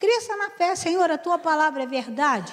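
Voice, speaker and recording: A woman's pitch swings very widely, her tone animated. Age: 60s. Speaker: pastor. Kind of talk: sermon.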